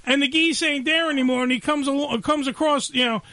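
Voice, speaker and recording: New york guy hosting, real high voice, bright, cussing and cracking jokes. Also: steady tone, fairly quick, dry recording. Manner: brash, profane, joking. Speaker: host. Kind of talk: casual chat.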